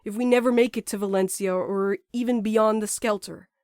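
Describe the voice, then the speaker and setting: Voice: mid-range voice, fairly even intonation, normal speed, a little mellow, no room sound, studio quality, natural voice. A performer playing a sardonic, stubborn young postmaster who deflects with casual jokes in an audio drama. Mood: earnest. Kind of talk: naturalistic audio drama acting.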